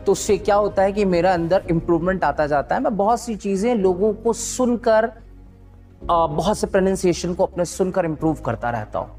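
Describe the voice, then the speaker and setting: A man's voice: a little high, a little mellow. A man with an Indian accent teaching spoken English, switching between Hindi and English with frequent fillers and restarts.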